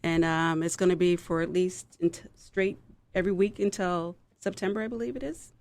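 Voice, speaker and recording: A woman's voice: fairly low pitch, fairly even intonation, normal speed, darkish tone, no echo. A woman, a city councillor, speaking in a friendly casual way as a guest in a radio studio.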